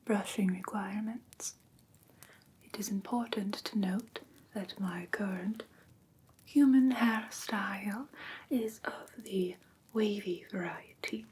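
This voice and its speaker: A woman voicing a prim, strict vampire teacher in a soft, breathy whisper, formal and precise, for an ASMR roleplay class. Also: mid-range voice, slight background noise, close to an everyday voice, rough recording. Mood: formal, instructive. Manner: formal, precise, deliberate, theatrically stern. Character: prim, strict female vampire teacher of human pet care. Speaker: ASMR performer.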